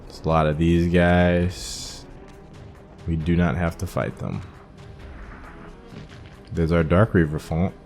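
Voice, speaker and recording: A man's voice: sits low, slow, long pauses, darkish tone. A man giving casual gameplay commentary, thinking aloud and explaining each step as he goes. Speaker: gaming host. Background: game audio with faint music.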